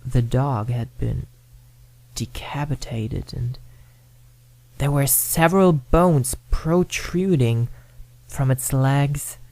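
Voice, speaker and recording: A man's voice: mid-range voice, takes it slowly, long pauses, warm tone, no room sound. A man narrating a first-person ghost story, dramatic and at times dropping to a whisper.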